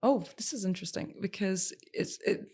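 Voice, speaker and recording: A woman's voice: mid-range voice, normal speed, warm tone, husky. A woman who is a singer and former TV presenter, speaking as a podcast guest and giving voice-care tips with emphatic repetition. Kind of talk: podcast interview.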